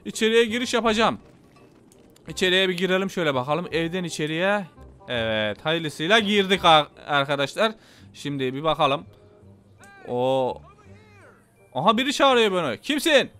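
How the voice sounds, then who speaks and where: A man with a Turkish accent giving excitable, casual gameplay commentary, talking to his viewers and swearing playfully. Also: a little high, moderate pace, long pauses, clear, resonant tone, soft background music. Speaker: gameplay YouTuber.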